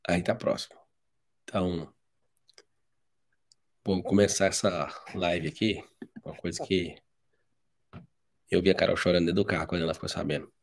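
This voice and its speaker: Deep gravelly Brazilian preacher. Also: male voice, steady tone, moderate pace, pauses often. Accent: Brazilian Portuguese. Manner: storytelling, blunt and direct. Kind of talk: live devotional sermon.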